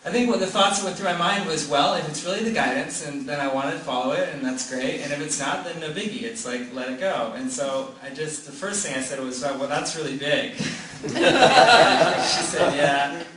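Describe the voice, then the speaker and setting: Telling a group a personal story during a gathering in a room, a man with a fairly high, fairly bright voice talks at normal speed. He meanders, restarts sentences, fills with "like" and laughs a lot. The recording is echoey and noisy, with the mic far away.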